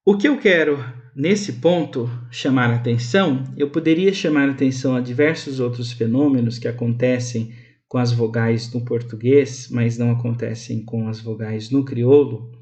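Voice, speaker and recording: A man's voice: medium pitch, moderate pace, a little mellow. A man from Brazil teaching a university lecture, explaining patiently and checking in with his listeners. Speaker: instructor. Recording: slightly dull lo-fi audio.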